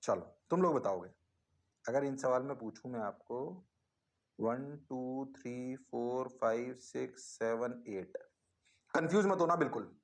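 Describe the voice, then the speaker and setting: A man teaching physics in an online class, energetic and coaxing, repeating prompts to his students. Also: medium pitch, unhurried, roomy sound.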